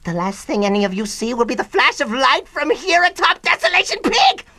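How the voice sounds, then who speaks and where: An actor, a man, playing a petulant young mad scientist villain with a pompous, excitable delivery in a comedic radio drama. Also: very high voice, a little fast, dry recording, full character voice. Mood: gloating, menacing. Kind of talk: comedic old-time radio drama acting.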